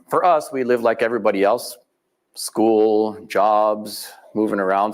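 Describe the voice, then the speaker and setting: A middle-aged man giving a storytelling talk, acting out the voices in his stories. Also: on the low side. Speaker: speaker at a tribute event.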